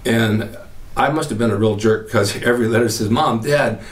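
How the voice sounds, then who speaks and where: An older man from California hosting his own podcast, telling rambling stories in casual chat. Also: medium pitch. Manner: rambling storyteller, quick and chatty. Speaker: podcast host. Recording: roomy echo, mic at a distance.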